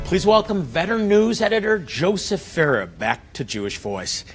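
A man's voice: sits high, very animated, moderate pace, over music. An American man hosting a Christian talk show, presenting and interviewing.

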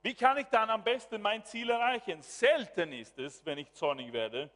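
A man preaching a sermon as pastor, swinging from quiet asides to loud exclamations. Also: high voice, lively intonation, moderate pace. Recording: long hall reverb.

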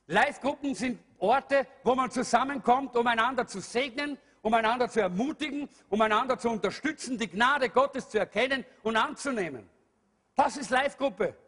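A man preaching a sermon to a congregation, emphatic, rising to shouts and dropping low, addressing the listeners directly. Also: husky. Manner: emphatic preaching, calls out to the congregation, swings loud and soft. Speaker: pastor. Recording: long hall reverb.

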